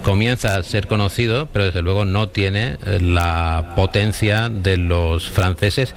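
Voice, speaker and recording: A man speaking in a measured, hesitant way as a panelist in a roundtable debate. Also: deep voice, fairly even intonation, crowd noise. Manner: measured, hesitant, with filler pauses.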